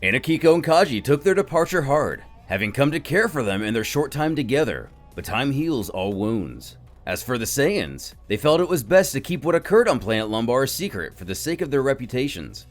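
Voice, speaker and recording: A man telling an animated adventure story in scripted, dramatic narration. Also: medium pitch, brisk, faint music behind.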